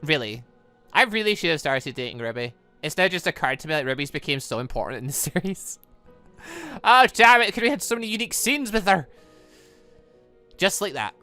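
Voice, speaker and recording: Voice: medium pitch, sing-song, a little fast, long pauses, sharp tone, soft background music. A gaming channel host giving chatty let's play commentary on a visual novel, full of exclamations and reactions. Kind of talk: let's play commentary with voiced dialogue reading.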